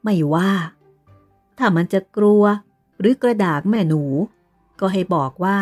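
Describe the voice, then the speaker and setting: A stern aristocratic aunt, read by a woman issues orders and reproaches in an authoritative tone. Her voice sits at an ordinary middle pitch. She speaks as a commanding elder throughout. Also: a little slow, darkish tone, faint music behind, close to an everyday voice. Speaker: reader voicing a character. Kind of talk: dramatized novel reading.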